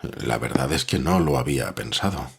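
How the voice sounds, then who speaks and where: A man playing a calm, analytical editor in an audio drama, speaking in a measured, reflective way. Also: rumbling low, vocal fry, a little hiss or hum, heavily acted. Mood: puzzled.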